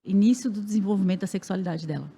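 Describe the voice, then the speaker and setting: A woman hosting a podcast interview, telling a family story in a lively way with frequent laughter. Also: mid-range voice, rapid-fire, husky. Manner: animated, laughs often, speeds up when excited. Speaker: podcast host.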